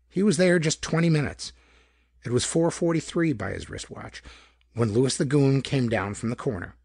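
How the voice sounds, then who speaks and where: A man narrates hardboiled crime fiction like an audiobook, his voice rough with fry and husk. His pitch swings expressively as he tells it dramatically. The sound is close and dry. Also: dry recording. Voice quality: gravelly, husky. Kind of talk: scripted narration of hardboiled pulp detective fiction.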